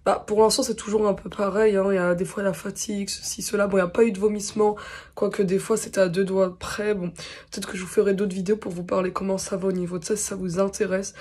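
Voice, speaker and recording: A young woman talking casually to camera in a vlog, her voice still slightly hoarse and recovering, chatty with many fillers. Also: mid-range voice, flat delivery, fast talker, a little mellow. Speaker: vlogger.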